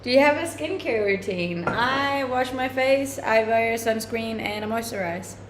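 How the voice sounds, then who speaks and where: A woman's voice: on the high side, lively intonation, unhurried, echoey room, a little hiss or hum. A Danish woman with a Danish accent, chatting casually with her livestream viewers while she cooks, laughing often. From Denmark. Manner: chatty, laughs often, reads chat aloud. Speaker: live streamer. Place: home kitchen.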